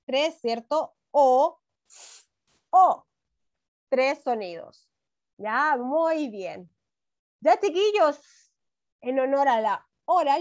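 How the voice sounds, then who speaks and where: Teaching first graders over a video call, a Chilean-accented woman speaks in a high-pitched, darkish voice, warm and encouraging toward the children. The call audio sounds dull and lo-fi.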